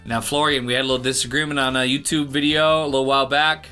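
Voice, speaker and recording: A man's voice: medium pitch, little pitch movement, quick pace, sharp tone, soft background music. A man co-hosting a casual drunk gaming chat, joking and rambling with frequent laughs, recorded on a desk mic at home. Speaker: co-host.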